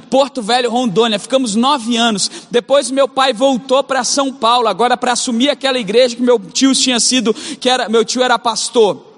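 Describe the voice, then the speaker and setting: Young Brazilian male pastor, very high voice, fervent repetitive preaching, long hall reverb. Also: fairly bright tone. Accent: Brazilian Portuguese, mixed regional. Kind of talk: sermon. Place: church auditorium.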